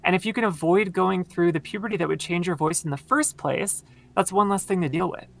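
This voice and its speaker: A podcast guest, a woman with a very low, gravelly voice, explains things at length in casual conversation, briskly and with lots of fillers. Her voice sounds tired from long talking.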